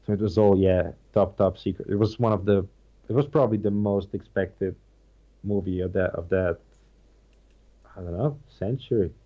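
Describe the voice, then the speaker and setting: A man whose first language is Slovenian, speaking with a Slovenian accent, appears as an actor guest in a casual interview over a call. His low voice holds a steady tone at a moderate pace, often searching for words and starting over. The recording sounds muffled.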